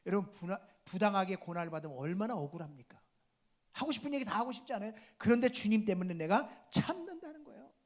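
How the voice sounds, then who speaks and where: A man's voice: high-pitched, expressive, fast talker. A male pastor preaching a sermon, appealing to the congregation again and again. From South Korea.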